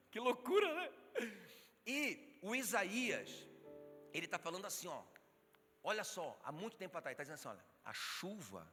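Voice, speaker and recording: Male Brazilian pastor, animated sermon delivery, bright voice, swings all over in pitch, long church-hall reverb. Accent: Brazilian Portuguese. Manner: animated preaching, acts out quotes, calls on the congregation. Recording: reverberant church hall, faint music behind.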